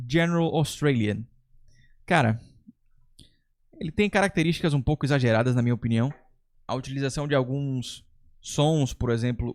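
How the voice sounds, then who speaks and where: A man who teaches English gives casual, chatty commentary with the odd bit of slang. His voice sits at an ordinary middle pitch. The recording is close and dry, with no room echo. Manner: relaxed, chatty, with occasional slang. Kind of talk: casual tier-list commentary.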